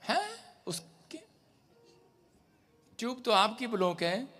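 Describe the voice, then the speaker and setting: High, bright-voiced man preaching loudly. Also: huge pitch swings, takes it slowly, faint music behind. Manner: commanding, repeats orders in rising shouts. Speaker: pastor. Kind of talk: shouting deliverance prayer at a live service.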